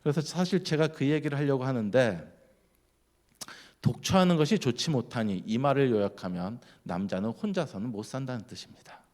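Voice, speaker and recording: A man giving a sermon at a church, keeping it lively by putting questions to the congregation. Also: mid-range voice, a little fast. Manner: lively, keeps quizzing the congregation. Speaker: guest speaker at a church.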